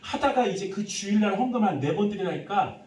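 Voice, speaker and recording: Middle-aged pastor preaching in an echoey church. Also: male voice, sits high, a little fast, slight background noise. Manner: lively anecdotal storytelling, laughing through it. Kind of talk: sermon. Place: church sanctuary. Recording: echoey room, speaker far from mic.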